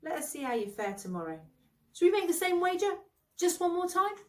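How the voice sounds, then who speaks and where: A woman voicing a boisterous old bearded castle lord, loud, jovial and exclaiming, in a storybook reading. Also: very high-pitched, sing-song, brisk, reverberant, far from the mic, voice pushed up. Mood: jovial challenge.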